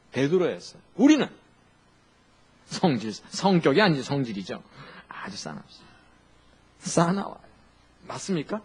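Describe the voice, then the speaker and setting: A middle-aged male pastor preaching a sermon in an animated, conversational way, asking the congregation questions and laughing along. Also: high voice, breathy edge.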